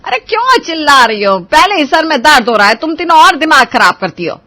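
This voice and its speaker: Lady playing a bossy loud mother-in-law yelling orders, high and lively. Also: normal speed. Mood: scolding. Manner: scolding, commanding. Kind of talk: storybook character voice.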